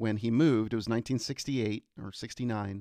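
A man's medium-pitched voice, fairly quick and fairly even in intonation, with a dry, close sound and no echo. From US, New Jersey. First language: German. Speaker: entrepreneur and business owner. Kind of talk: casual interview chat. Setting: video call.

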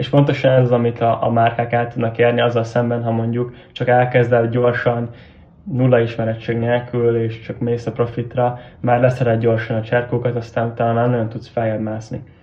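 A man speaks at a moderate pace and medium pitch in a flat monotone, with audible room echo. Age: 20s. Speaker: entrepreneur. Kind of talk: interview. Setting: video call.

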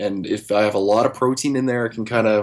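A normal speaking voice moves at a moderate pace, showing ordinary pitch variation. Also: man. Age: 40s. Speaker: podcast co-host and bodybuilder. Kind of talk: casual chat. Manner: casual, swears often.

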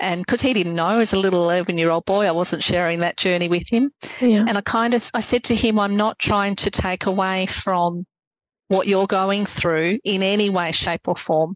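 Speaking with an Australian accent at a moderate pace, the woman keeps a medium pitch, fairly even intonation and very even loudness. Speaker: police veteran. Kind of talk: interview.

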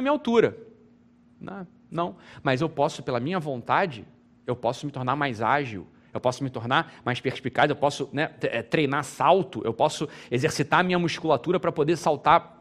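Against a quiet background, a man with a Brazilian accent talks at a fairly quick pace in an animated tone. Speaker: teacher and author on temperaments. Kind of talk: lecture.

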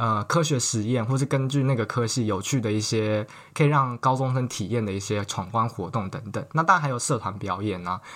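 The speech moves at a fairly quick pace with hardly any pauses and ordinary pitch variation, on a very clean recording with a silent background. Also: man, medium pitch for a man. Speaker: podcast co-host, former architecture student in Japan. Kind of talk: casual chat. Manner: animated, laughing often.

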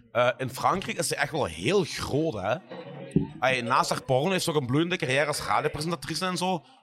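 Against noticeable background noise, a man with a fairly high pitch talks at a fairly quick pace, his intonation lively. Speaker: podcast host. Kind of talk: casual chat. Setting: live recording at a film festival.

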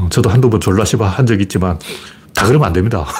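A man rattles along at a very fast pace while noticeable background noise sounds behind him. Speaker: political and philosophy commentator, YouTube host. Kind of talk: solo livestream commentary and lecture. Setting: live video stream with camera and mic. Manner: rambling, digressive.

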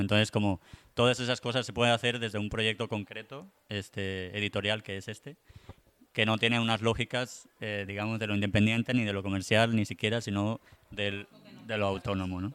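Speaking at a moderate pace, a man keeps a fairly low pitch and a monotone, flat intonation. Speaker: editor.

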